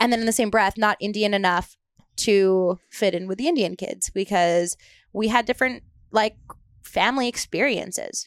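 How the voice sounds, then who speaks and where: A woman's fairly high-pitched, ordinary speaking voice with a Canadian accent at a moderate pace, the sound dry and close with no echo on a very clean recording with a silent background. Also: ordinary pitch variation. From Vancouver, Canada. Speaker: diversity and inclusion advocate. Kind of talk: casual chat. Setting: outdoors under a rain shelter.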